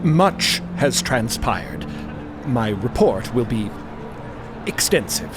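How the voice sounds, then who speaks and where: A man's voice: mid-range voice, big pitch swings, slow pace, music in the background. A man playing a polite, precise scientist in an audio drama, speaking formally with small hesitations. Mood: polite, measured. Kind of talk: audio drama character acting.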